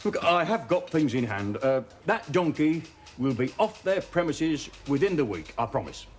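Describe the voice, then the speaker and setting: Hesitant, sarcastic caretaker, stammering, pitch all over the place. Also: male voice, sing-song, moderate pace, faint music behind. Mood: evasive. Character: flustered man stalling about a donkey.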